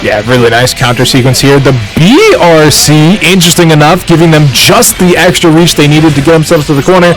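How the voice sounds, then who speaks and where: A man giving analytical color commentary on a fighting game match, measured with quick asides. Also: on the high side. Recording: faint music underneath.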